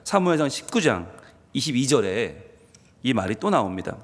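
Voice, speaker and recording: A man's voice: medium pitch, very animated, normal speed. A man preaching an early-morning sermon as pastor, asking his congregation questions as he goes. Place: church sanctuary. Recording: long church reverb.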